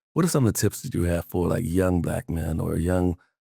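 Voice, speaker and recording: In a dry, close and very clean recording with a silent background, a man with an American accent talks at a fairly quick pace in a very deep, low, dark and mellow voice with ordinary pitch variation. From Washington, D.C. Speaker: podcast host. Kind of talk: interview. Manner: halting, many fillers.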